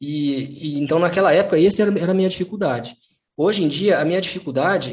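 A man talks at a fairly quick pace, with ordinary pitch variation. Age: 40s. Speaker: digital artist and game illustrator. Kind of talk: interview. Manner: halting.

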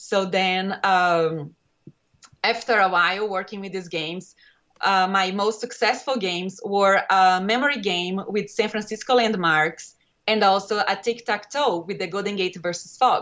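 A woman speaks with a Brazilian Portuguese accent at a fairly slow pace. Her pitch is medium, with ordinary variation. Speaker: board game designer. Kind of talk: personal testimony in interview. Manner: halting.

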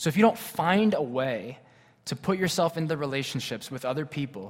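In a normal speaking voice with an American accent, a man talks at a fairly quick pace with lively intonation. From US, central Pennsylvania small town. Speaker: pastor. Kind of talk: sermon. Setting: church.

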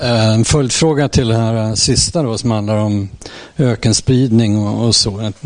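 A man's fairly slow speech with fairly even intonation over noticeable background noise. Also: medium pitch for a man. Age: old. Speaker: audience member. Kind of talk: Q&A question. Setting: seminar with live audience.

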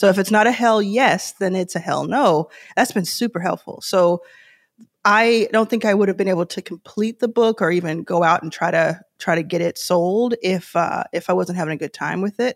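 A woman with an American accent speaks in a normal speaking voice at a medium pitch, with ordinary pitch variation and a moderate pace. The sound is dry and close with no echo, the recording very clean and the background silent. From Texas, Dallas. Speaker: venture capital investor. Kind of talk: interview.

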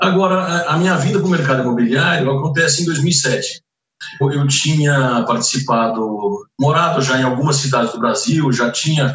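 A man talks at a moderate pace with a plain, everyday voice. His medium pitch shows ordinary variation. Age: 50s. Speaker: real estate executive. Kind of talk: interview.

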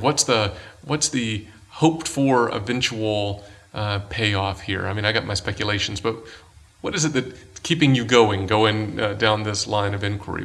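Here is a man with an American accent. He has an ordinary speaking voice with ordinary pitch variation. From US South. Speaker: podcast co-host, online learning staff. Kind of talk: casual chat and interview. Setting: conference recording.

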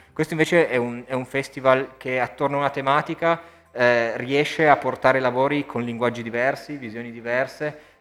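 Fairly even intonation over noticeable background noise. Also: man. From northern Italy, Turin. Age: 30s. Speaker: photographer. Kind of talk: interview. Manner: halting, many fillers and repetitions.

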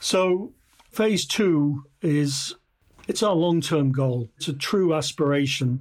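Someone with a British accent speaks with ordinary pitch variation in a very clean recording with a silent background. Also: man. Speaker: radio astronomer and observatory director. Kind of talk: casual interview.

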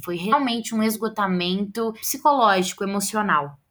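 A plain, everyday voice moves along at a fairly slow pace. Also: woman, very clean recording, silent background. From Brazil, Belo Horizonte, Minas Gerais. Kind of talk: interview about faith and mental health.

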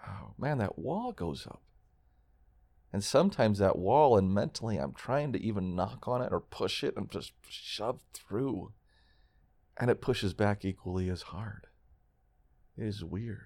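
A man talks at a fairly slow pace with long, frequent pauses and lively intonation. His fairly low voice has a dark, mellow tone and vocal fry. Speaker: podcast host. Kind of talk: personal audio diary monologue. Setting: hotel room.

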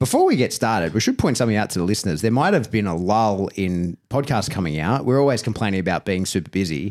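A man at a fairly low pitch and very fast pace, lively in intonation, on a very clean recording with a silent background. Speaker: dog trainer and podcast host. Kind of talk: casual chat.

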